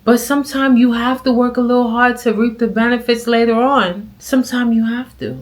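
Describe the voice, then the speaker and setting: A middle-aged woman talks straight to her viewers in a casual vlog. She comments on clips in an animated way and acts out the people in her stories. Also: fairly high pitch, brisk. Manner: animated storytelling with acted quotes. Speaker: vlogger.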